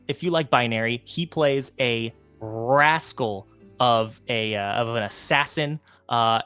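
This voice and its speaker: Eager man pitching his podcast. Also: dry recording. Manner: eager, pleading, animated. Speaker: podcast co-host. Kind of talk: livestream promo pitch.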